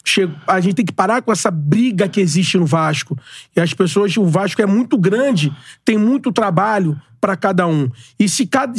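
A man's voice: high voice, slightly rough, dry recording, clean studio sound. A man, a guest in a podcast interview who talks earnestly and repeats his points. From Brazil. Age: 40s. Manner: earnest, repeats himself, speaks in slogans. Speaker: guest, club presidential candidate.

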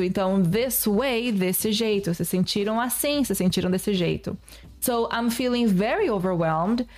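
A woman, an English teacher who explains step by step in a casual lesson and reads English words out slowly and carefully. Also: medium pitch. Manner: explains step by step, often asks "né?".

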